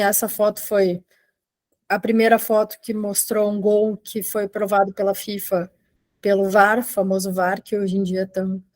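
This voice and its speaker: A woman from Argentina living in Brazil, a photojournalist giving an informal online talk in a halting, conversational way with trailing asides. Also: mid-range voice, a little mellow. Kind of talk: informal online presentation of own work. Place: video call.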